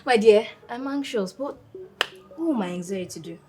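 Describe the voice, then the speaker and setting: An actress playing a cheerful young daughter with a Nigerian accent who laughs easily. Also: female voice, a little high, expressive, normal speed, a crowd in the background, close to an everyday voice. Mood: wistful. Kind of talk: Nollywood film acting.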